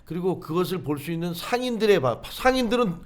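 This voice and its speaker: Male political commentator with a slightly raised pitch who recounts things with animation and plays out other people's lines. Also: fast. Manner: animated storytelling, acts out what people said. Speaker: political commentator, former party official. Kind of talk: political talk show discussion.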